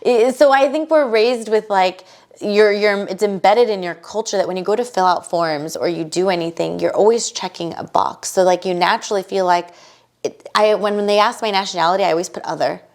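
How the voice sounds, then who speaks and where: A woman from the United States, a guest on a podcast, talking in a casual, animated and emphatic way with many quick asides. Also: mid-range voice. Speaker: podcast guest, bridal fashion entrepreneur. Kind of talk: casual conversational interview.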